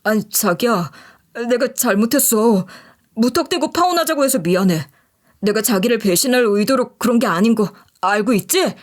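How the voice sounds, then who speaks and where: A woman's voice: a little high, animated, moderate pace. A woman voicing a desperate young man who pleads tearfully with his ex-fiancée in a story narration. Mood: begging. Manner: begging, whiny and desperate.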